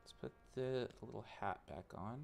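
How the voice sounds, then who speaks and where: A man livestreams while building a robot, chatting casually with his viewers and poking fun at himself as he tinkers, rambling along. His mid-range voice moves at normal speed with vocal fry and a darkish tone. A little background noise is present.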